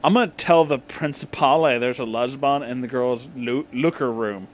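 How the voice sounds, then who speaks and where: A man's voice: medium pitch, normal speed, a little hiss or hum, voice pushed down, close to an everyday voice. A man voicing a snooty, bossy teenage cheerleader in a comic story reading.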